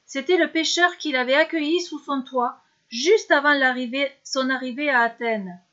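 High-voiced woman telling a story. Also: lo-fi sound. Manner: steady, measured storytelling. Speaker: narrator. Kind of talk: scripted story narration.

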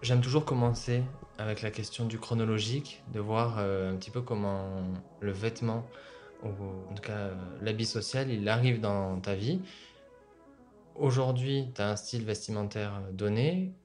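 A young man hosting a podcast, reading a reflective scripted introduction and asking interview questions in a measured way. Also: on the low side, darkish tone, faint music behind. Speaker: podcast host.

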